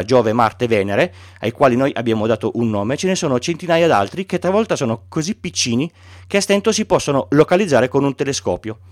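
A man's voice: mid-range voice, no echo, clean studio sound. A male podcast host reading a storybook aloud, with frequent stumbles and restarts.

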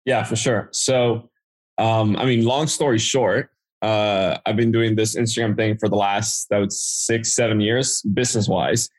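A man's voice: fairly low pitch, fairly even intonation, measured pace. A man from the Dominican Republic, a native Spanish speaker with a Dominican accent, casually telling his story as a podcast guest. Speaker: podcast guest, marketing entrepreneur.

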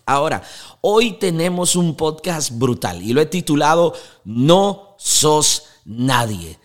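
A young Costa Rican man hosting his own motivational podcast, his voice pitched a bit above the usual male range. He talks with drive and emphasis, leaning on his words like a preacher urging listeners on. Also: sing-song, slow pace. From Costa Rica. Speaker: podcast host.

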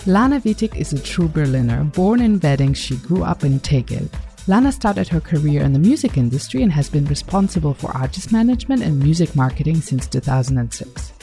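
A woman's voice: low-pitched, very animated, brisk, warm tone, soft background music. A woman hosting a studio podcast, reading a prepared introduction and then asking interview questions in a polite, earnest way. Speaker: podcast host.

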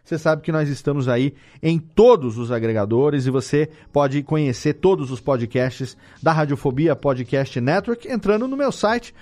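A man's voice: a little high, normal speed, few pauses, darkish tone. A man with a Brazilian Portuguese accent hosting a live podcast in a casual, conversational style. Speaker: podcast host.

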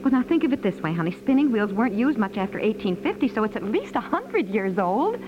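Excitable 1950s radio wife, muffled. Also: female voice, on the high side, fast talker, background noise. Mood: placating. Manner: chatty, placating, fussing gently. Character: excitable, soothing wife and mother in a married couple. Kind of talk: 1950s radio comedy acting.

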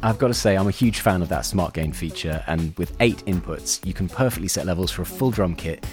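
A man with a fairly low voice co-hosts the podcast. He sounds upbeat while reading an ad spot, with music faint underneath. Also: brisk, a little mellow. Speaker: podcast co-host. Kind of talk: casual chat and ad read.

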